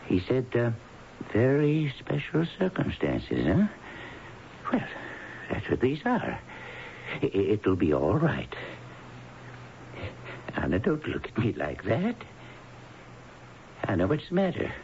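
An actor playing a worried older father in a radio drama, fretful, halting and consoling. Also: mid-range voice, huge pitch swings, gravelly, darkish tone, heavily acted. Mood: concerned, soothing. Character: worried, soothing, flustered father of grown daughter. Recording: hissy, dull vintage radio broadcast.

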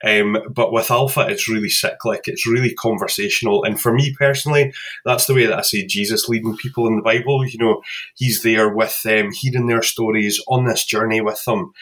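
A Scottish man from Glasgow, a podcast guest, telling his story casually with lots of ums. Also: fairly low pitch. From Scotland. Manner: relaxed, many fillers like um and kinda.

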